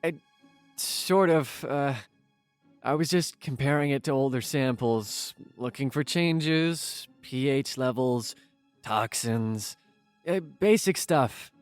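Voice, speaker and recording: A man playing an evasive, soft-spoken boyfriend with halting speech in a naturalistic audio drama. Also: mid-range voice, smooth, no echo, soft background music, close to an everyday voice. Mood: guarded.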